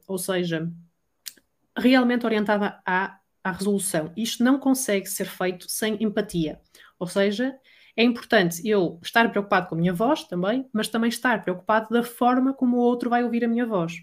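A woman with a European Portuguese accent, a voice coach explaining techniques in an energetic, chatty podcast conversation. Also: mid-range voice, fairly quick. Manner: energetic, explanatory, acts out quoted dialogue. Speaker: voice coach guest. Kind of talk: casual podcast chat.

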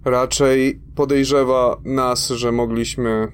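A man playing a tabletop game who speaks in a decisive, brisk way. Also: mid-range voice, level tone, smooth. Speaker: player. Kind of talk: casual chat at a tabletop game.

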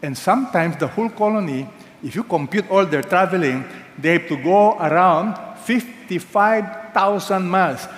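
A man's voice: high voice, moderate pace, roomy sound, long reverb tail. An older man preaching a sermon as pastor, emphatic, repeating key phrases and asking the congregation questions.

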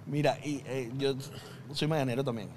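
Podcast host chatting. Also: male voice, mid-range voice, fairly even intonation, normal speed, darkish tone, a little hiss or hum. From Venezuela. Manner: interjecting, laughing along. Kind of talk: casual interview chat.

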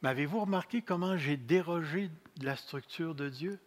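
A man in his sixties with a Québécois accent, preaching a sermon as pastor. He speaks deliberately, repeats key phrases and jokes about himself. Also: on the high side. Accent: Québécois French. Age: 60s. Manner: slow, deliberate preaching with repeated phrases and self-mocking humor.

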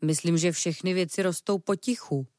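A calm, patient bear from a children's storybook, slow and a little hesitant, his voice sitting low, as a woman puts him on. He takes his time over every thought. The sound is dry and close. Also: no room sound, close to an everyday voice. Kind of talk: storybook reading.

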